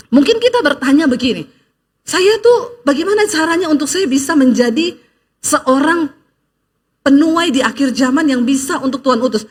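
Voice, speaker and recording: A woman pastor giving a lively sermon, telling stories and acting out the people she quotes, with joking asides. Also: very high voice.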